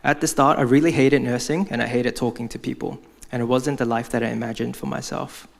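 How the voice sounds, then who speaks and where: Young man, creaky voice, church testimony. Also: mid-range voice, fairly even intonation, brisk. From Hong Kong. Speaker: church member giving a testimony. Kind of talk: prepared church testimony speech.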